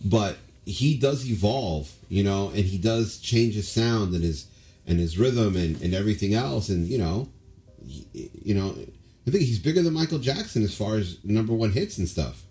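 Casting: lower-pitched male co-host, casual, rambling, opinionated. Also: expressive, moderate pace, mellow. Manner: rambling, opinionated, many fillers. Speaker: podcast co-host. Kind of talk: casual chat.

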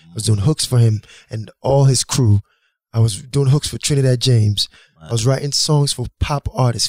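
A man's voice: medium pitch, darkish tone, no room sound. Nigerian-born guy, yoruba first language, chatting loose and rambly about his music, plain mid voice, dry close sound. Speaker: guest musician. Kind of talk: casual interview talk.

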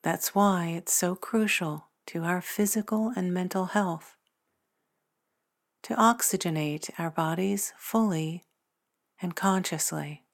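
A woman narrating a guided meditation in a soothing, measured manner with long pauses between phrases. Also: lowish voice, gravelly. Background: new-age meditation music.

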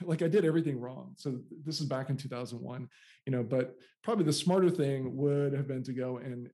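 A man in his forties from the United States, with an American accent and a mellow mid-range voice, tells his story as an interview guest. He's a software founder who often repeats and restarts words.

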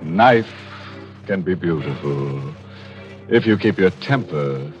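A man's voice: low voice, expressive, slow pace, faint music behind. An American man playing a gleefully macabre, sardonic horror host in 1940s radio style, theatrical and fond of grim puns. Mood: macabre relish. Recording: dull vintage radio recording.

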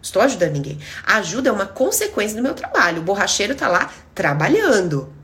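A woman's voice: mid-range voice, wildly swooping pitch, quick pace, a bit bright. A middle-aged Brazilian woman, a therapist talking on a casual live stream, blunt and emphatic, acting out bits of dialogue. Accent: Brazilian Portuguese.

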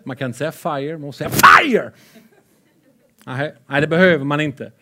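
Man, preacher, excitable and playful, slightly high voice, loud then soft. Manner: excitable, playful, swings between loud and quiet. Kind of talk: lively sermon with Bible readings.

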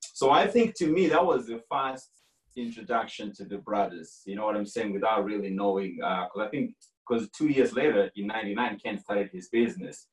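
A man in his forties, originally from Kenya, telling his story as a guest in a relaxed, rambling podcast conversation. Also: on the low side, normal speed, echoey room, distant mic, low-quality recording. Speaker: franchise owner guest.

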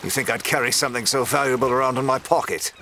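A man playing a pompous, menacing villain obsessed with his ancestral destiny, speaking in a theatrical, deliberate way in a dramatic scene. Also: medium pitch, slight background noise. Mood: cornered, calculating. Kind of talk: dramatic villain monologue acting. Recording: loud music behind the voice. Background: loud music.

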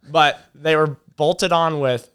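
A young man chatting casually on a podcast, telling rambling stories in a relaxed way and laughing often. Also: a little high, slow, clear, resonant tone. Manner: rambling, laid-back storyteller, laughs a lot. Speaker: podcast co-host. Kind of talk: casual chat.

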